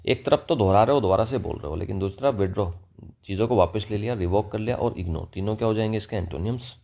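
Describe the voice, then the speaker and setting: Explaining English words in Hindi, this Indian-accented teacher poses questions and answers them himself, reading example sentences at a slow pace. He speaks in a lowish, darkish voice with vocal fry.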